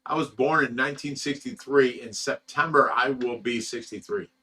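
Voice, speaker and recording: The host of a fish rescue livestream, a man in his sixties from Ohio, USA, reads viewer comments and tells meandering stories, laughing often and swearing freely. His mid-range voice is pushed, bright and husky at normal speed. It's a rough recording made from a distance.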